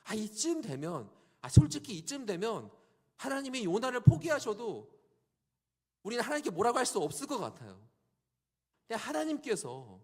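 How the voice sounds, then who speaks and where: Animated high-voiced male pastor preaching. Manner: animated, rhetorical questions to the congregation. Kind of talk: sermon.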